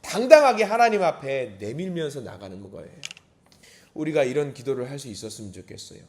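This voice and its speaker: Earnest pastor with a lively voice. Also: male voice, medium pitch, brisk. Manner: earnest, rising to emphatic pleading, acts out quoted prayers. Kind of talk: dawn service sermon.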